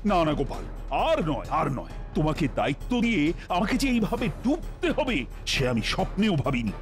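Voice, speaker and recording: A pompous old king who frets and scolds in big dramatic swoops. His voice sits fairly high and leaps all over the place, with music underneath. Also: wildly swooping pitch, fairly quick. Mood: exasperated. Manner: exasperated, dramatic. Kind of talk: cartoon voice acting.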